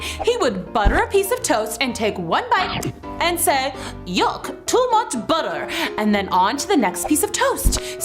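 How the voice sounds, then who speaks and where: Bubbly, high-voiced woman storyteller. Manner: bubbly, exclamatory, giggly. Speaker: children's storyteller. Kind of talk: animated first-person storybook narration in character as a girl.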